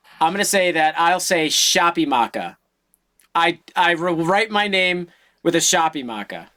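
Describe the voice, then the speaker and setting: Moderate pace and ordinary pitch variation, with an American accent. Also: man, high pitch for a man. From Massachusetts North Shore (Danvers). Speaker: music company host, musician. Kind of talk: casual interview chat. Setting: video call livestream. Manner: casual, filler-heavy.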